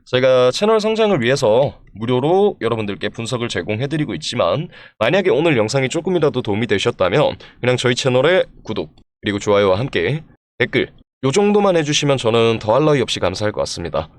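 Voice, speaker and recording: Male market commentator, mid-pitched with animated intonation, stuffed up with a cold, formal and courteous presenter delivery. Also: quick pace. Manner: polite, formal presenter address. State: congested from a throat and head cold. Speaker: stock analysis channel host. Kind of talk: explanatory stock market commentary to viewers.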